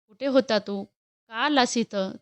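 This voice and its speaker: A woman playing a gentle young woman in a storybook, soothing and pleading as she calms someone she protects. Her voice is fairly high, smooth and clear, recorded dry and close. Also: measured pace, no room sound, natural voice.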